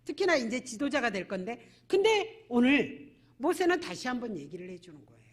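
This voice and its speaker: Woman preacher, high voice, very expressive intonation; church sermon with questions to the pews. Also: brisk. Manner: animated preaching with rhetorical questions to the congregation. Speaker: pastor. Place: church service.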